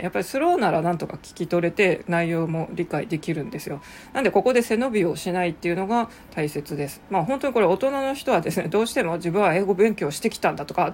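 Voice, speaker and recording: A chatty woman, an English teacher, talking alone on her show, with frequent fillers and side comments. Her voice sits fairly low for a woman. A faint hiss of noise runs underneath. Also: a little mellow. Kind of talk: casual solo talk.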